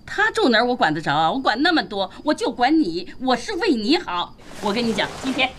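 A woman's voice: a little high, big pitch swings, brisk, noisy background. An actress in her fifties playing a bossy mother who nags and scolds her grown daughter in a TV drama. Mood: insistent. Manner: scolding, nagging, insistent. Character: bossy, scolding middle-aged mother, quick-tempered. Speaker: mother and grandmother. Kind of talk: TV drama acting.

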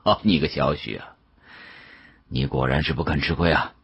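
A man voicing a shrewd, amused older male official with a husky voice and a measured, knowing manner in an audiobook. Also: rumbling low, fairly even intonation, fairly bright tone, voice pushed down, heavily acted.

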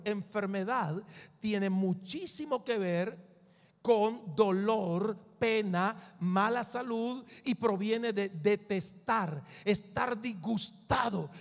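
A man's voice: high voice, creaky, big-room sound. A male preacher delivering an emphatic sermon, repeating his points for the congregation.

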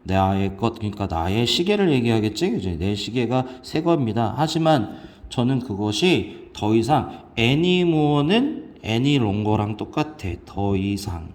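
A man teaching English grammar from a textbook, asking questions and answering them himself. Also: slow pace. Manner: lively, asks students questions and answers himself; sudden jumps in pitch on English words. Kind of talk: explaining a textbook passage.

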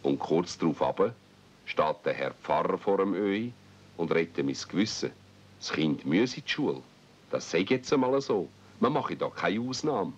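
A man's voice: low-pitched, very animated, moderate pace, husky. A man with a Swiss German accent narrating a scripted radio play as a storyteller in dialect. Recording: dull 1970s radio-play recording.

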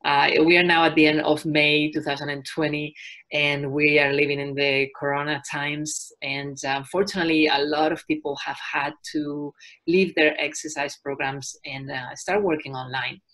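This trainer and health coach from Spain, a woman in her forties, hosts a fitness webinar in a gentle, calm manner with her Spanish accent. Her voice sits low and she keeps a moderate pace.

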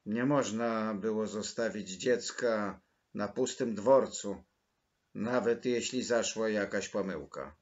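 A man voicing a shy, gentle elderly farmer who speaks timidly. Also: on the low side, slow pace, dull audio. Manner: timid, quiet-spoken.

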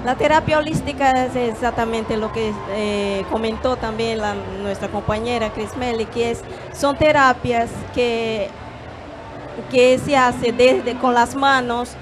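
Brazilian woman, gentle and measured. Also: a little high, fairly even intonation, noisy background. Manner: gentle, measured, with frequent hesitations. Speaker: yoga teacher and holistic therapist. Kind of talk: calm explanatory interview answers. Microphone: handheld microphone.

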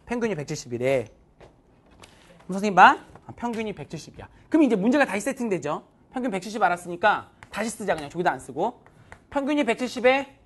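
A man in his thirties teaching math to a live class, joking with students and mixing casual and polite speech. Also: high-pitched.

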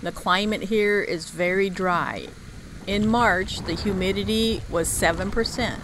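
A woman narrating her outdoor travel vlog in a measured, informative scripted voice-over. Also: mid-range voice, noisy background. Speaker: travel vlogger.

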